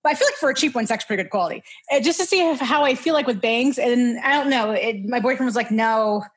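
A woman's voice: fairly high pitch, fast talker. A woman in her twenties, a podcast guest chatting casually, rambling and interrupting herself. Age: 20s. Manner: rambling, self-interrupting, laughing. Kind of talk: casual chat.

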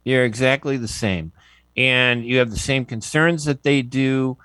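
Older male radio host, rambling and conversational, mid-pitched, dry close sound. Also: measured pace, bright, forceful tone, no echo. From United States. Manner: chatty, digressive, many restarts. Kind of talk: radio interview.

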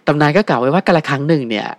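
Fast-talking man retelling a tale. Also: a little high, no room sound. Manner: relaxed, fast retelling with many fillers. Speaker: guest storyteller. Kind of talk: casual storytelling chat.

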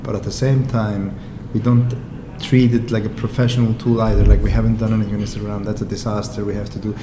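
A relaxed, wry middle-aged man whose native language is Icelandic. He speaks in English as an interview guest, joking at his own expense. His voice sits at a medium pitch in a roomy space with a clear background hum. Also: quick pace. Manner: relaxed, wry, self-deprecating, laughs often. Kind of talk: casual conversational interview.

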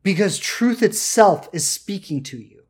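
Emphatic, deliberate spiritual self-help coach. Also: medium pitch, expressive, darkish tone, breathy edge. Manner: emphatic, deliberate, with drawn-out words and rhetorical check-ins. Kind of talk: motivational spiritual talk, unscripted.

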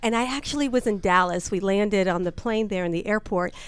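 A woman's voice: mid-range voice, fairly quick, clean tone, no echo. A woman from Peru, a worship singer and guest, telling stories in a casual radio studio interview and acting out the voices. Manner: lively storyteller, acts out voices.

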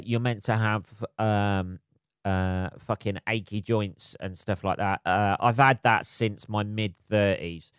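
A man's voice: mid-range voice, smooth, dry recording, clean studio sound. A man in his forties hosting a casual solo podcast, nasal and stuffed up from a cold, rambling and swearing as he mocks himself. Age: 40s. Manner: sweary, rambling, self-mocking. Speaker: podcast host. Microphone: phone camera.

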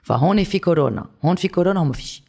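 Dark-voiced Lebanese speaker, casual chat. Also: medium pitch, expressive, racing, creaky, slightly rough. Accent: Lebanese Arabic.

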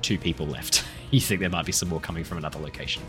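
Over background music, a man acts as game master narrating a tabletop role-playing game, agreeable and affirming toward his players. His voice is a rumbling low one with a fairly bright tone, and he races along.

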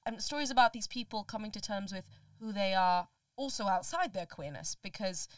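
A woman's voice: medium pitch, lively intonation, a little fast, dry recording, clean studio sound, recorded from a distance. A young woman from Sri Lanka, a podcast guest talking openly and animatedly, laughing often and restarting her words. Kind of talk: casual podcast conversation.

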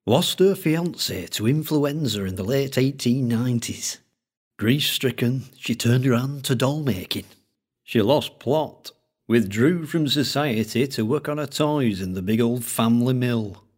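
A man voicing an older male collector with a thick Lancashire accent, speaking in a slow, droning storytelling way. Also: mid-range voice, expressive, slightly rough, pitched above the performer's own voice.

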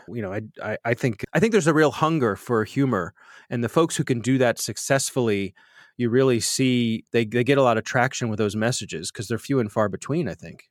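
A man hosting a podcast, chatting with self-deprecating humor and getting animated when he tells stories, with a slightly nasal voice. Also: mid-range voice, dry recording, clean studio sound. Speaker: podcast host. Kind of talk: conversational interview answers.

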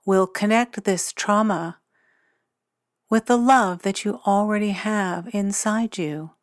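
A woman guiding a meditation in a gentle, soothing, unhurried way with long, measured pauses. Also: mid-range voice, no room sound, studio quality. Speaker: meditation guide and podcast host. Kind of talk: guided meditation narration.

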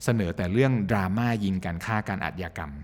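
A man co-hosting a casual podcast chat, explaining in an animated way and acting out quotes. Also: on the low side, fast, long reverb tail. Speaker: podcast co-host.

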